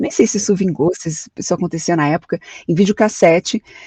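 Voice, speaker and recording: A woman speaks at a fairly quick pace and medium pitch, somewhat breathy with a dark, mellow tone and ordinary pitch variation, in a dry, close sound with no echo. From Brazil, Taubaté (São Paulo state). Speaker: radio announcer and actress. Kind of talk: interview. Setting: video call.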